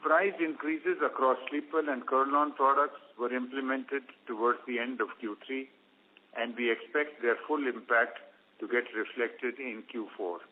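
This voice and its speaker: Over a thin, phone-like conference line comes a man with an Indian accent and a medium-pitched voice. He presents company results from a script. His delivery is formal and measured, set out phrase by phrase like an executive reading to investors. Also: fairly even intonation, slight background noise. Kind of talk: scripted earnings call presentation. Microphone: conference call line. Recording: phone-like, narrow-band conference call line.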